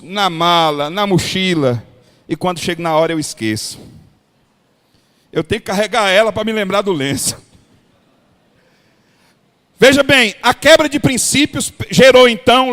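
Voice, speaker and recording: A pastor from Ceará with a Cearense Brazilian accent, preaching a blunt, folksy sermon to other pastors. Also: male voice, sits high, fairly bright tone. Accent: Cearense Brazilian Portuguese. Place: large hall at a pastors' retreat. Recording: long hall reverb.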